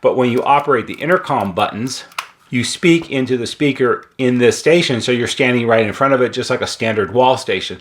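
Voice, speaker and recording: A man's voice: mid-range voice, slight background noise. A man talking casually and unscripted as a repair technician, explaining hardware and thinking aloud as he handles it. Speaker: intercom repair technician presenting equipment. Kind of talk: casual unscripted hands-on product walkthrough.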